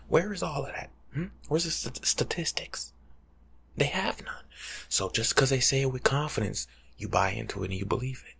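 A young American man doing a casual, slangy ASMR life coach roleplay in a hushed, breathy half-whisper, close to the mic. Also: medium pitch. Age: young adult. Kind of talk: ASMR roleplay monologue, softly spoken and whispered. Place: small room at home, indoors.

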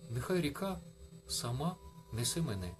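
A man voicing a small, gentle hedgehog in a storybook reading, speaking softly and slowly in a hushed tone. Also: mid-range voice, very animated, pitched above the performer's own voice, lightly acted. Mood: fearful. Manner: soft, slow, hushed.

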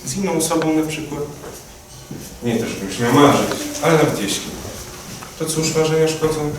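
A man's voice: on the high side, normal speed, natural voice. A young male student actor playing a pompous, admiring devotee who lectures the others in a grandiloquent way. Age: late teens. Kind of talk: amateur stage acting. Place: converted attic hall at a school. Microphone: distant room mic. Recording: echoey room, distant mic, noisy.

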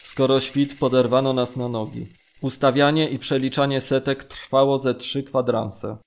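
A man acting a sombre Polish camp survivor recounting his memories in a measured audio drama reading. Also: medium pitch, level tone, vocal fry, close to an everyday voice. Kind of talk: dramatised documentary memoir reading.

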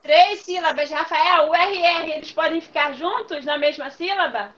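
Patient teacher on dull call audio. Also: female voice, extremely high pitch, moderate pace, fairly bright tone. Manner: patient, coaxing, calls pupils by name and repeats questions. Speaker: primary school teacher. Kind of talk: online class lesson.

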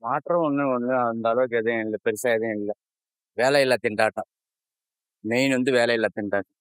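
A man's voice: medium pitch, steady tone, fairly quick, smooth, no room sound, poor audio. A middle-aged man giving emphatic opinions in a street interview, often ending with rhetorical questions. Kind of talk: street vox pop answers. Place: footbridge stairway outdoors. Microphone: handheld interviewer mic.

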